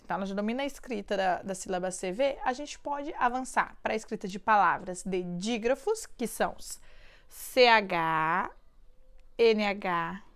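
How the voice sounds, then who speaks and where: A woman in her thirties from Brazil, a literacy teacher explaining her classroom method, slowing down to spell out syllables and words. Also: a little high, fairly bright tone.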